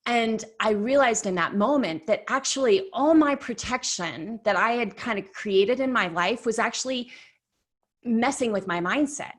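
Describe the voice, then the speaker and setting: Chatty woman leading a workshop. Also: fairly high pitch. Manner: chatty, storytelling, frequent "like" and self-corrections. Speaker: workshop leader. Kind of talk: conversational workshop talk.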